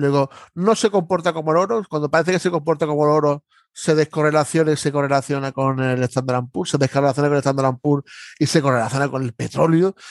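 A man with a fairly high pitch speaks at a very fast pace, his pitch varying an ordinary amount. The sound is dry and close with no echo, over a quiet background. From Andalusia, Spain (Seville, Córdoba). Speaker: finance professor. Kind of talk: interview.

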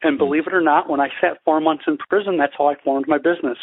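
A man speaks very fast with a fairly high pitch. His intonation stays fairly even in an Upper Midwest accent. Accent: Upper Midwest American. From Wisconsin, US Midwest. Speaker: business founder. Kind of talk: interview. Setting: remote call.

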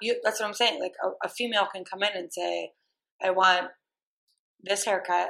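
Speech comes at a moderate pace. It is delivered in an American accent. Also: woman. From Ohio. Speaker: cosmetologist and barber. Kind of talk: casual chat. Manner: animated, talks with hands.

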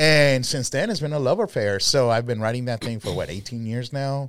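The man uses a normal speaking voice with lively intonation. His pace is fairly quick, with hardly any pauses. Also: very clean recording, silent background. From Colombia, moved to US at nine. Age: 50s. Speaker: motorcycle owner and IT consultant. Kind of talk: casual chat.

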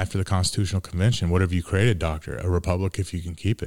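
On a very clean recording with a silent background, a man with an American accent speaks very fast in a very deep, low pitch. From Texas. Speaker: attorney and former congressional candidate. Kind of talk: interview. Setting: studio.

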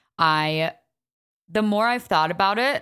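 An animated tone on a very clean recording with a silent background. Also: woman. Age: 30s. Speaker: beauty podcast host. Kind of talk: casual chat.

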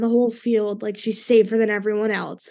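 In a quiet background, a woman with an American accent speaks at a moderate pace. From upstate New York, Ithaca. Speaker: college lacrosse goalie. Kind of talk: casual interview.

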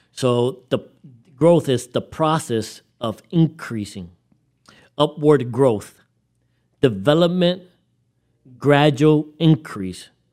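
Speaking at a very slow pace with long, frequent pauses, a man uses lively intonation at a fairly high pitch. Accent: Puerto Rican. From Puerto Rico heritage, raised in Massachusetts. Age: 30s. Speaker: youth pastor. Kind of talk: casual chat.

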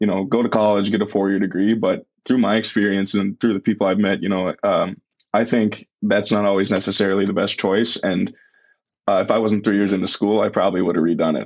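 With an Upper Midwest accent, a man talks at a fairly quick pace. His fairly low voice stays monotone and flat. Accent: Upper Midwest American. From North Dakota. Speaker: agricultural student and intern. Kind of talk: podcast interview.

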